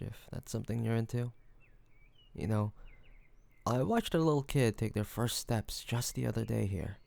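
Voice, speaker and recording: A man playing a charming, hospitable mafia boss in an intimate audio roleplay, talking in a relaxed, playful, teasing way to one listener. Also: medium pitch, vocal fry, no room sound. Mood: warm, easygoing. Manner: relaxed, playful storytelling with frequent soft chuckles.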